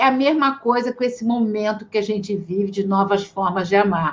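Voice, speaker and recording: A woman speaks at a moderate pace and a medium pitch. Her voice is somewhat breathy. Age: 70s. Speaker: psychoanalyst and author. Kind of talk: interview.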